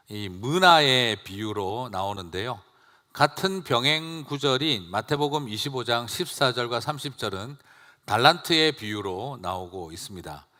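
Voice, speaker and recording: A man's voice: medium pitch, pushed and bright. A man preaching a sermon as pastor, in a conversational style full of rhetorical questions. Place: church sanctuary. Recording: long church reverb.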